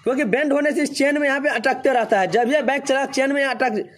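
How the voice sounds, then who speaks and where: A man's voice: extremely high pitch, quick pace. A man, a bike mechanic walking viewers through a repair step by step and pointing things out as he goes. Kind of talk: how-to repair tutorial. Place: motorcycle workshop.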